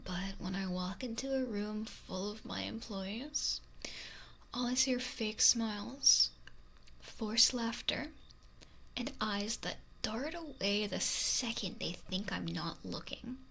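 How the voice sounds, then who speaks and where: Woman as a slow, whispery, possessive mafia boss. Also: mid-range voice, a bit bright, exaggerated voice. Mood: bitter, lonely. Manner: whispery, breathy, slow and domineering. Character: possessive, lonely, wealthy female mafia boss. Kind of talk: intimate ASMR roleplay monologue. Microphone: close binaural microphone. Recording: noisy close binaural whisper recording.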